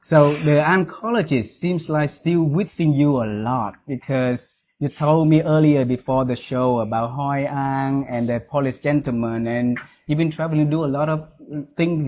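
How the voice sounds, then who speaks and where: A man's voice: a little high, normal speed, darkish tone, slight background noise. A man with a Vietnamese accent hosting an interview. He talks eagerly and keeps checking in with his guest by tagging "right?" onto his lines. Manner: eager, leans on "right?" tags. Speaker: interview host. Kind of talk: interview conversation.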